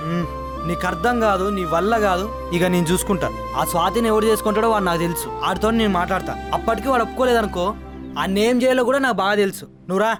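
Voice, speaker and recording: An actor playing a self-assured young friend who promises to take charge of the problem. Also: male voice, high voice, very fast, music in the background, natural voice. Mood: resolute. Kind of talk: film dialogue.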